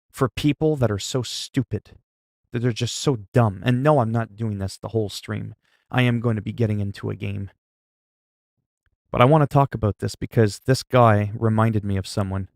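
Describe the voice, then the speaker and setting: A man hosting a livestream, chatting loudly in a mock-stern, profane way with quick swings in volume. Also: on the low side, vocal fry, no echo, studio quality. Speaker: livestream host. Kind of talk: casual livestream chat.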